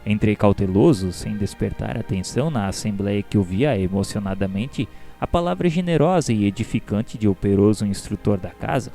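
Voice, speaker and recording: A man with a Brazilian accent playing an earnest, curious spirit pupil who narrates a radio drama in a measured, formal, solemn way. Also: fairly low pitch, expressive, gravelly, dark tone. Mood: earnest, reverent. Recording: music behind the voice.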